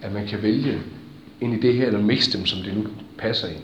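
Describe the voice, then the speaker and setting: The speaker is a man. Room echo is audible. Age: 30s. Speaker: church speaker and organizer. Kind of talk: talk to a church audience. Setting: stage with audience. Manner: halting.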